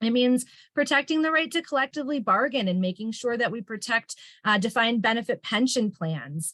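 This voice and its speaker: With an Upper Midwest accent, a woman talks at a fairly quick pace and a fairly high pitch, her tone bright and sharp and her intonation lively, in a dry, close sound with no echo. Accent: Upper Midwest American. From Minnesota, Lakeville. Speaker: politician. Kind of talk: candidate forum answers. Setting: video call. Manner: fast.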